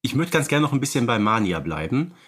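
A man's voice: medium pitch, very animated, fast, a bit bright, husky. A man in his thirties co-hosting a podcast about radio plays, chatting with enthusiasm and many fillers. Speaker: podcast co-host.

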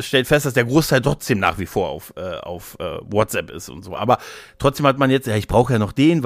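There's no room sound on this recording of a man with a mid-range voice. He's co-hosting a podcast, chatting loosely and colloquially with bits of English slang.

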